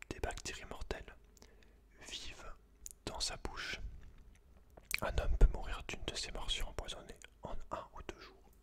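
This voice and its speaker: A man whispering in a breathy, unvoiced voice as an ASMR host, reading aloud and adding informal, slangy asides to the listener. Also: bright, forceful tone.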